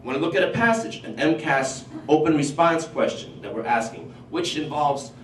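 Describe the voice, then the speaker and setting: A man who grew up in Portugal and whose first language is Portuguese, a high school teacher testifying at a public hearing in an earnest, animated way. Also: normal speed. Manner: earnest, animated when quoting himself and students. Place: large hall at a public hearing. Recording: roomy hall, voice from a distance, faint noise.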